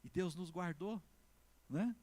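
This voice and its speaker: A high-pitched pastor with a Brazilian Portuguese accent preaches an emphatic sermon, swinging between loud exclamations and slow, stressed words. He repeatedly asks the congregation to answer him.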